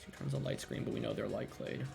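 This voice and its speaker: Talking fast over background music, a young man commentates live on his own competitive video game battle. He thinks aloud and second-guesses his plays as he goes.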